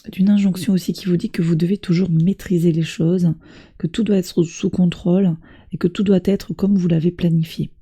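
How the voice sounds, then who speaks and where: A woman with a cold reads tarot cards for her viewers, and her voice comes out hoarse, husky and very dark. She keeps her delivery flat and even, speaking straight to the listener in a gentle, encouraging way. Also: on the low side. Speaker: tarot reader. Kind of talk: tarot reading addressed to viewers.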